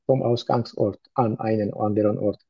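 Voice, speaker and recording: Man as a doctor taking a history; halting and hesitant, husky and dark, dull lo-fi recording. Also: fairly low pitch, steady tone, no room sound. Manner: slow, halting, many "äh" and "mhm". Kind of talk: medical exam role-play.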